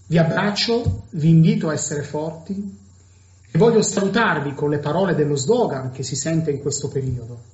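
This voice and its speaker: A man preaching a sermon to his congregation with a slow, emphatic delivery and dramatic pauses. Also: on the high side, a little mellow. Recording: echoey, dull lo-fi room sound.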